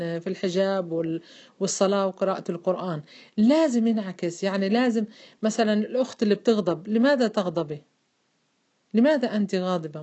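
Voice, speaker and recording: Fast-talking woman teaching religion. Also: mid-range voice, a little mellow. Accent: Levantine Arabic. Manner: fast, conversational, often asks listeners if they follow. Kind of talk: informal religious lesson to women. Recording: dull lo-fi recording.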